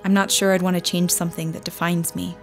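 Measured, thoughtful female role, played by an actress, slightly low pitch, intimate radio drama dialogue over music. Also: little pitch movement, close to an everyday voice. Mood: reflective. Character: thoughtful, self-assured blind woman.

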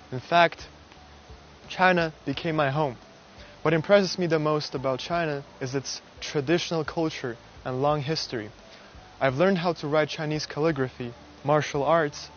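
Young man from Russia, student speaker, earnest and measured, fairly high voice, lapel mic, slightly dull sound, faint music under him. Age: young adult. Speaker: university student giving a speech. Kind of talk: prepared speech to camera. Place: outdoor garden stage at night.

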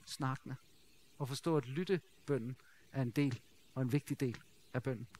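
A middle-aged man preaching a sermon in a lively, conversational way, joking and asking the congregation rhetorical questions. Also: mid-range voice, slight background noise. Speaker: pastor.

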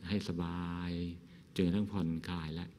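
A man, a Buddhist monk from Thailand, giving a gentle conversational dhamma talk, asking rhetorical questions and laughing softly. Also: low-pitched, level tone, normal speed, in a large hall. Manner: frequent soft laughs.

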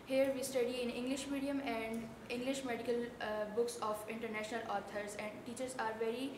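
A woman's voice: level tone, a little fast. A young woman with a Pakistani accent giving a scripted student testimonial. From Khyber Pakhtunkhwa, Pakistan. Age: young adult. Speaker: medical student. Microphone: lapel. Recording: echoey, noisy room with rumble.

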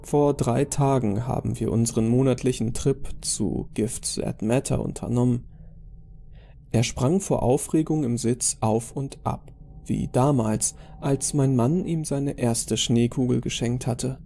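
A man's voice: mid-range voice, a little slow, vocal fry, mellow. A man narrating a scripted creepypasta horror story.

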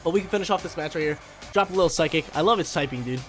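A young man talks quickly in a slightly high voice, stuffed up and nasal from allergies. He calls his video game moves out loud in hyped, slangy bursts. Faint game music plays behind him. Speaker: gaming YouTuber. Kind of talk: live commentary over a video game battle.

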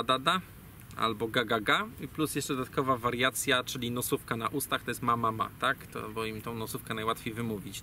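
Rambling man explaining, bright voice. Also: mid-range voice. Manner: rambling, digressive, with many fillers and self-corrections. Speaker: guest speaker on language origins. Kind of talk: casual explanatory talk. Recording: distant mic, faint ambient noise.

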